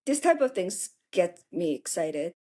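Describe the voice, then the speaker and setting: Lively, encouraging woman podcast host. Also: fairly low pitch, measured pace. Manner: encouraging, frequent affirming murmurs. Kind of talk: podcast interview.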